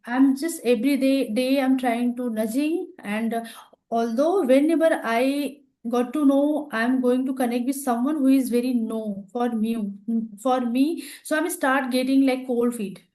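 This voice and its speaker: A woman's voice: sits high, measured pace, mellow. Hesitant Indian woman in English practice chat. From northern India. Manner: hesitant, careful phrasing with many fillers. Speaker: English learner. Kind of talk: casual practice conversation.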